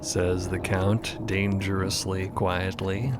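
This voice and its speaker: A man's voice: sits low, flat delivery, takes it slowly, background noise. A man narrating a scripted audio drama, describing the scene and the characters' actions.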